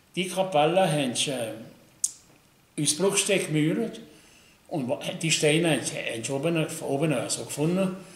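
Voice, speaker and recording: A man speaks at a fairly slow pace in a fairly high-pitched voice with ordinary pitch variation and long, frequent pauses. Noticeable background noise is present. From Upper Valais, Switzerland. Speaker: chapel illustrator. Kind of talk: interview answer. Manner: casual, hesitant.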